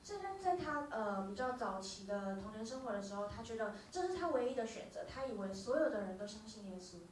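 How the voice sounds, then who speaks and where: A woman interpreting a live talk, rattling along at a fast clip and catching herself with little hesitations. Her voice sits a bit high. She is picked up from a distance in a very echoey club room with faint noise behind her. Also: expressive. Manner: quick, with filler hesitations. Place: small dark music venue. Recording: roomy venue, from far off.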